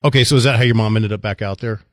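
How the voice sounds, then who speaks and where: A middle-aged man hosting a podcast, chatting casually and gently ribbing his guest. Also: fairly low pitch, steady tone, racing, no room sound, clean studio sound. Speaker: podcast host. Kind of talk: casual interview chat.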